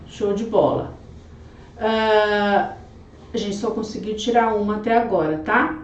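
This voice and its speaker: A Brazilian Portuguese woman teaching, correcting an exam question by question in a slow, chatty, didactic way. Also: medium pitch, reverberant, recorded from a distance, muffled recording.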